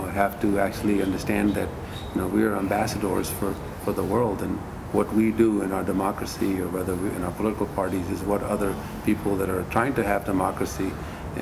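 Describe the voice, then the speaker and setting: Man from Pakistan, very low flat pitch, gravelly, earnest, halting, fillers, noisy hiss behind. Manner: earnest, halting with many fillers and repeated words. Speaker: guest musician. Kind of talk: interview answers.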